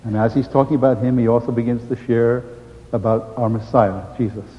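An older man giving an animated storytelling testimony, acting out the voices he quotes. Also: medium pitch, brisk. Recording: dull sound with long hall reverb.

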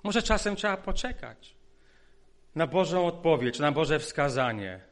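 A man preaching a sermon, earnest and pleading, who keeps calling his listeners "dear ones" and moves between quiet, lowered asides and raised, stressed phrases. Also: sing-song, unhurried.

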